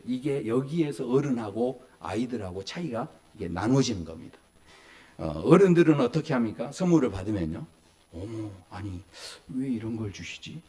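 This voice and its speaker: A man in his forties preaching a sermon as pastor, telling stories, acting out small voices and asking the congregation questions. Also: a little high. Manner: lively storytelling, acts out children and adults in little voices.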